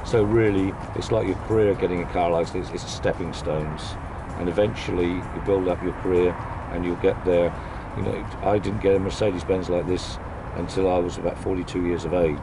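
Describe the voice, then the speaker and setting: Deep-voiced middle-aged building boss. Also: male voice, brisk, noisy background. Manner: plainspoken, steady advice. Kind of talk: giving career advice. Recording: roomy, with music underneath.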